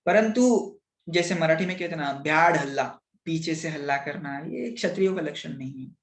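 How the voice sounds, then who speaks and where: A teacher tells a scripture story at a middling pitch and slips into English phrases. The teacher checks in with listeners again and again. The room carries a clear echo. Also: moderate pace. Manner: mixes English into Hindi, keeps asking "right?". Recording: roomy echo.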